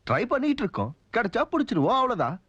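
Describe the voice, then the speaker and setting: A man's voice: very high voice, wildly swooping pitch, racing, fairly bright tone, breathy edge, lo-fi sound, exaggerated voice. An actor playing a smug, sarcastic male police officer in a dubbed film, with a mocking, swaggering delivery. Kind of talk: Tamil film dub dialogue.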